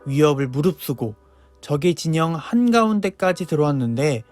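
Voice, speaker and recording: A man preacher telling a Bible story to children in a gentle, lively storytelling way. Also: on the high side, moderate pace, soft background music.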